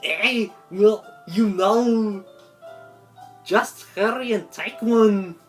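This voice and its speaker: A woman voicing a proud, prickly, easily flustered schoolgirl, loud and defensive with drawn-out, stammered words. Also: mid-range voice, soft background music, voice pushed up. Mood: proud, impatient.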